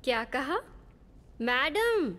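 Bubbly, teasing young teacher, high, lively, slow delivery over loud score. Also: female voice, long reverb tail, full character voice. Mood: cheerful. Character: cheerful young woman teacher, old school friend. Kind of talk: Hindi film dub. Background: film score.

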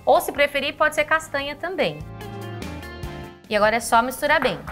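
A woman's voice: sits high, expressive, normal speed, music in the background. A woman in her thirties from Brazil, hosting an upbeat recipe tutorial in a home kitchen, chatty and affectionate with her viewers. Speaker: cooking channel host.

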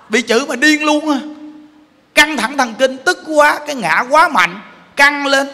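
Animated Southern Vietnamese monk preaching. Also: male voice, very high voice, in a large hall. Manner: animated, joking, asks the audience questions. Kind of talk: sermon.

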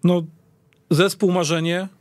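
Male football panelist, slightly high pitch, halting conversational delivery, very dry radio studio. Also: level tone, darkish tone, no room sound. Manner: halting, repeats words mid-sentence. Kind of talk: casual sports discussion.

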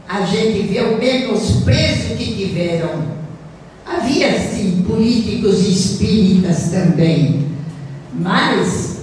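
An older woman giving an earnest spiritist lecture at a stand mic, reading from notes and speaking with deliberate emphasis in a small hall. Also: on the high side, slight background noise. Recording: roomy hall echo from a distant camera.

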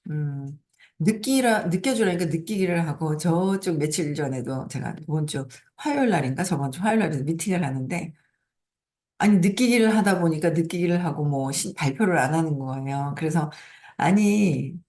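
A woman's voice: low voice, animated, moderate pace, a little mellow. A middle-aged woman hosting a casual motivational talk, telling stories in a chatty way with frequent laughs. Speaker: host.

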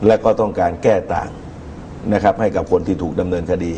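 A middle-aged man with a low, very mellow, steady voice offers political commentary on a talk show. He speaks in a measured manner into a lapel mic, with faint noise in the TV studio recording.

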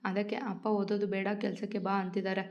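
Woman reading as a nervous young male student, hesitant, pleading, flat tone, dull lo-fi audio, storybook reading. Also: medium pitch, quick pace, close to an everyday voice. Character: anxious young male student, wife's brother.

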